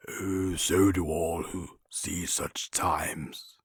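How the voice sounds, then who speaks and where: Male, acted kindly old wizard, sage, breathy, hushed, very slow, deep, fantasy film counsel. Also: little pitch movement, no echo, studio quality, exaggerated voice. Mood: gentle, solemn.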